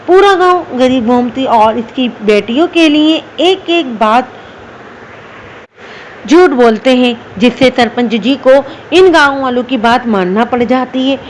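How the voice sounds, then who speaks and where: A woman narrating a children's fairy tale in an expressive, dramatic storytelling manner. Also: high voice, unhurried, slight background noise, low-quality recording.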